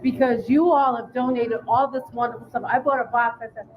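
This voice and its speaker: A woman's voice: on the high side, fairly even intonation, brisk, lo-fi sound, soft background music. A woman organizing a fan gathering, speaking to a crowd in an upbeat way.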